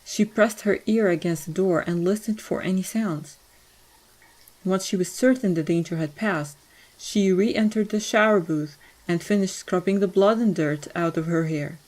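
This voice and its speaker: A woman's voice: on the low side, moderate pace, darkish tone, rough recording. A woman reading scripted story narration as the narrator of an audio drama.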